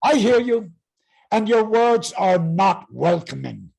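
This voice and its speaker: An actor playing an arrogant, menacing herald in a Greek tragedy reading, threatening and declamatory in a rasping voice. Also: male voice, high-pitched, sing-song, slow, darkish tone, full character voice. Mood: cold threat. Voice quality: gravelly, rasping. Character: menacing, arrogant herald claiming women as property. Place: online video-call reading.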